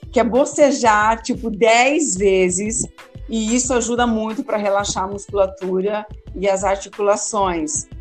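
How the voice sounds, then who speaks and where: A teacher and one-time radio host from Amazonas, Brazil, answers interview questions in a relaxed, hesitant manner, repeating words often. Her voice sits a little high.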